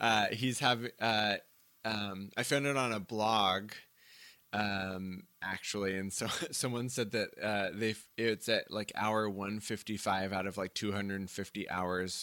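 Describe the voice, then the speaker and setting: Speaking at a very slow pace, a man with a fairly low pitch and a bright, sharp tone keeps his intonation fairly even. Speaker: podcast co-host, therapist. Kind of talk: casual conversation about faith and attachment. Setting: remote recording.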